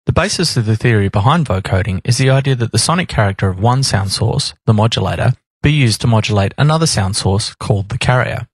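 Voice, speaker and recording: A man reading scripted instructional narration in a measured, explanatory manner. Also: on the low side, animated, slightly rough, no echo. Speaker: tutorial narrator.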